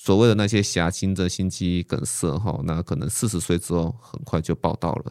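A man talks at a moderate pace in a very deep, low pitch with ordinary pitch variation. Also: hardly any pauses, dry, close sound with no echo. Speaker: physician in geriatric and palliative care. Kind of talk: interview. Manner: frequent filler particles, casual.

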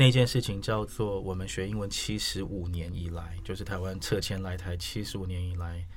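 With a very deep, low pitch and a somewhat breathy voice, a man speaks with fairly even intonation and hardly any pauses amid audible room echo. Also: moderate pace. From Taiwan. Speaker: political party leader and translation scholar. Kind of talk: interview.

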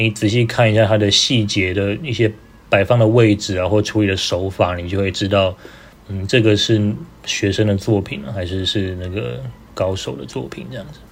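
A fairly low-pitched male voice at a moderate pace, with ordinary pitch variation, big swings in loudness and noticeable background noise. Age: 20s. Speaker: concept designer. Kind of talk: casual interview.

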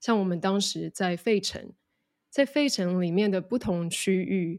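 Speaking at a fairly slow pace, a woman uses a medium pitch with ordinary pitch variation. The recording is very clean with a silent background. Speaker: English coach. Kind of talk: interview conversation.

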